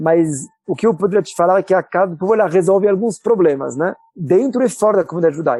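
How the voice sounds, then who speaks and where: A man with a French accent talks very fast in a high pitch with a dark, mellow tone. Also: ordinary pitch variation, hardly any pauses, dry, close sound with no echo. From France (Paris). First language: French (speaking Portuguese). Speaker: executive director of a cultural center. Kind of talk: podcast interview. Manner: hesitant, many fillers.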